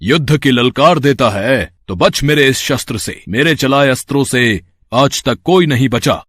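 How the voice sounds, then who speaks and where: A man's voice: medium pitch, normal speed, fairly bright tone, close to an everyday voice. A man playing a proud, hot-tempered warrior sage of Hindu myth, with formal, declamatory delivery. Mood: threatening. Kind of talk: acted dialogue in a Hindi mythological story.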